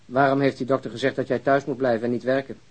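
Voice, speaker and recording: A persistent police detective played by a man in a radio drama, with a slightly husky, middle-pitched voice. He presses a bereaved woman with blunt, insistent questions. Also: little pitch movement, fast, natural voice. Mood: probing. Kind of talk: Dutch radio drama acting.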